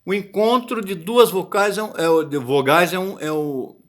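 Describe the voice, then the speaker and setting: A man's voice: sits high, moderate pace. A man giving a casual video lesson on botanical Latin, chatty and often searching for words. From Brazil. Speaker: botany teacher.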